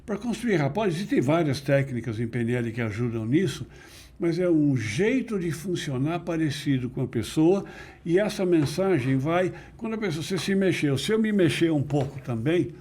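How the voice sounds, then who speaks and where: A middle-aged man speaks in a husky, mellow voice, slightly high for a man. He explains patiently and didactically, leaning on key words for emphasis. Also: animated, moderate pace. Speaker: interview guest, NLP teacher. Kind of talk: conversational explanation.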